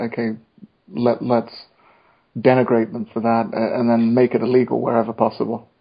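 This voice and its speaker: A man with a London accent and medium pitch speaks at a moderate pace, with long, frequent pauses. His intonation is monotone and flat, over a quiet background. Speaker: YouTube creator. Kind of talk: casual conversation. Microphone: video call.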